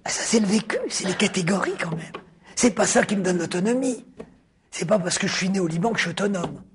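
A man giving a spoken philosophy lecture, drawn out and rhetorical, repeating key words and dropping suddenly into a hushed near-whisper. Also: high voice, background noise. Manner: deliberate, drawn-out phrasing with sudden hushed drops.

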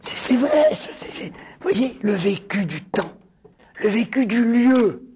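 Very husky man lecturing slowly. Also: very high voice, huge pitch swings. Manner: deliberate, drawn-out phrasing with sudden hushed drops; rhetorical, repeats key words for emphasis. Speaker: philosophy lecturer. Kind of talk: spoken philosophy lecture.

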